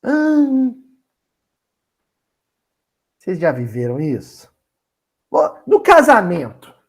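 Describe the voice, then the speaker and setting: A man with a Minas Gerais Brazilian accent giving an expressive Bible study talk. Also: high-pitched. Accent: Minas Gerais Brazilian Portuguese. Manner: animated and expressive, slow and emphatic. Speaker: spiritist Bible study speaker.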